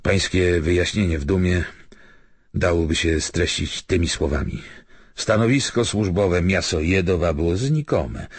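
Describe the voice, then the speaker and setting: A man narrating an audiobook, reading literary prose and letters in a measured, formal way. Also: low voice, slightly rough, no room sound.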